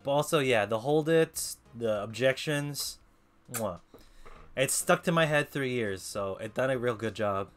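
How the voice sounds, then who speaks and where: A man in his twenties with an American accent, chatting casually while streaming a game, relaxed and swearing now and then. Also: medium pitch, unhurried, faint music behind. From Philippines. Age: 20s. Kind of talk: casual let's-play commentary.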